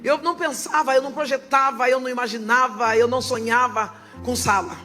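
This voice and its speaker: Woman, pastor, fervent testimony preaching, loud proclaiming, faint background music, church service. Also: a little high, fairly even intonation, fairly quick.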